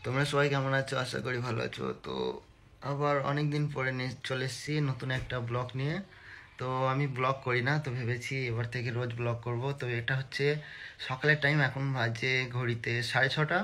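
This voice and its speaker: A man's voice: medium pitch, level tone, fairly quick, bright, forceful tone. A man chatting casually to viewers in a home vlog, talking straight to the camera. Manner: chatty, addresses viewers directly, repeats "to" as filler. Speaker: vlogger. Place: home, indoors and yard. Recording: noisy phone recording.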